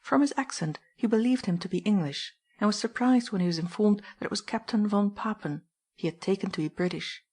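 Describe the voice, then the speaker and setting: A woman narrating an audiobook novel in a steady, plain manner. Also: medium pitch, a little fast, few pauses, breathy edge. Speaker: audiobook reader.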